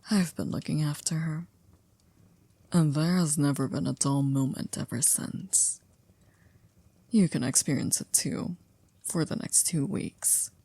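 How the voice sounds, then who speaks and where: A woman playing a composed, formal household servant in an ASMR roleplay, polite and measured with gently wry teasing. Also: sits low, creaky, breathy edge, no echo, heavily acted. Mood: calm, reassuring.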